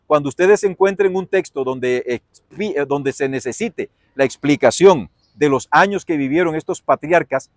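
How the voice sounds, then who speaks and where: A man with a Colombian accent teaching a Bible lesson as a pastor, in a folksy, animated way that asks and answers his own questions. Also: on the high side, dry recording, clean studio sound. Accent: Colombian Spanish.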